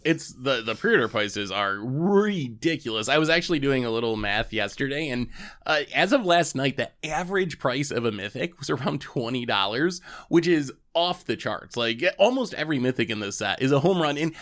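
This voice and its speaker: Male podcast host, mid-pitched, very animated intonation, upbeat and chatty. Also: moderate pace. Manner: lively, upbeat presenter delivery. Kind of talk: casual podcast chat.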